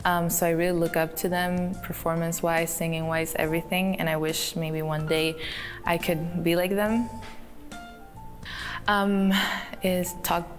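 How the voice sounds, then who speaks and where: A teenage woman from Canada answering interview questions in a soft, giggly way with many ums, filmed in a photo studio. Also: on the low side, flat delivery, unhurried. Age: teens. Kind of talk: recorded profile interview. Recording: clip played with faint music.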